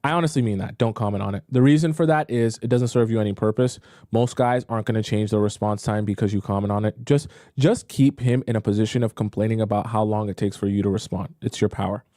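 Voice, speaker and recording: A man coaching on dating during a livestream, reading viewer questions and reacting with animated disbelief. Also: lowish voice, fast talker, no echo, clean studio sound. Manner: animated, incredulous, talks to chat. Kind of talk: livestream advice talk.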